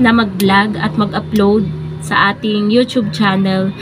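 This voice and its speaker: Noticeable background noise sits behind a woman speaking at a moderate pace with a fairly high pitch. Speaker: vlogger and sari-sari store owner. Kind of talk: casual vlog talk.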